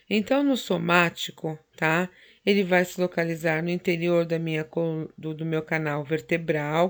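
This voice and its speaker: A woman teacher, explaining anatomy in a recorded lecture, often checking in with tag questions and fillers. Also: on the low side.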